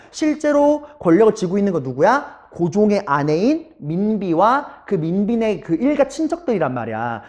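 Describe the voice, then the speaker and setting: A male middle school history teacher gives an online lecture in a high-pitched, warm voice. He tells the story animatedly, speaking directly to his students.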